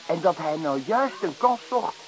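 An actor playing a gossipy, excitable common man at a wedding, telling tales colloquially in a radio play. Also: fairly high pitch, moderate pace, poor audio. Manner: animated, colloquial storytelling. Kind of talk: theatrical radio play acting. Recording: radio play with crowd noise.

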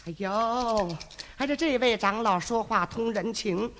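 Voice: mid-range voice, measured pace, fairly bright tone, long reverb tail, a little hiss or hum, voice pushed down, lightly acted. A storyteller voicing the Bone Demon disguised as a grieving old woman, wailing and sly, in a traditional storytelling performance. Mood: sly, lamenting.

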